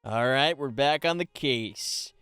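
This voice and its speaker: A man's voice: mid-range voice, takes it slowly, sharp tone, clear, resonant tone, no echo, clean studio sound, faint music behind. A man casually commentating on a game as he streams it, playful and rambling as he thinks aloud. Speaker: streamer, voice actor.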